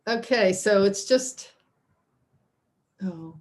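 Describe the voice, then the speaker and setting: A woman's voice: mid-range voice, very slow. A woman instructor wrapping up an online class over a video call, chatty and apologetic, often laughing. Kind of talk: casual wrap-up of an online class. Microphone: computer mic on a video call.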